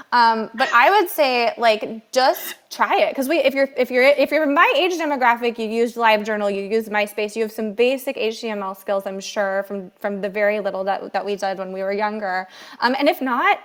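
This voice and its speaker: A woman's voice: fairly high pitch, fairly bright tone. A woman in her thirties co-hosting a podcast, chatting in a bubbly, talkative way and laughing easily. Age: 30s. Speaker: podcast co-host. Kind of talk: casual chat.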